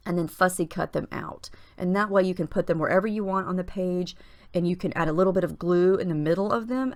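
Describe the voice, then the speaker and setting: A woman narrates a craft tutorial in a slightly low, husky morning voice. She talks in a relaxed, chatty way, pausing on small fillers as she explains each step. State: husky morning voice, clearing her throat. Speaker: scrapbooking tutorial host. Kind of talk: casual voice-over narration of a craft process.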